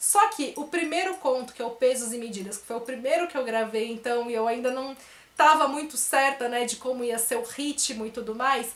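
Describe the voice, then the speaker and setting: A high-pitched woman's voice with ordinary pitch variation and big swings in loudness. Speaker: booktuber and author. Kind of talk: casual vlog talk. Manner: fast.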